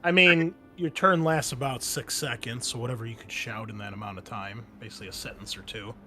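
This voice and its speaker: A man's voice: medium pitch, fairly even intonation, brisk, sharp tone. A man running a tabletop roleplaying game as game master, narrating and explaining rules in an encouraging, conversational way. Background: music under the voice.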